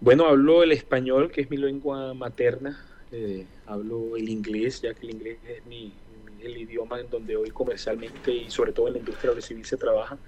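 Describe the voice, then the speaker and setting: A man in his forties with a Caribbean Spanish accent from Barranquilla, answering casually in an interview with hesitant, drawn-out pauses. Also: mid-range voice, level tone, darkish tone, lo-fi sound, a little hiss or hum. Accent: Colombian Caribbean Spanish (costeño, Barranquilla). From Barranquilla, Caribbean coast of Colombia. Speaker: interview guest, aviation engineer. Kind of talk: casual interview, personal reflection.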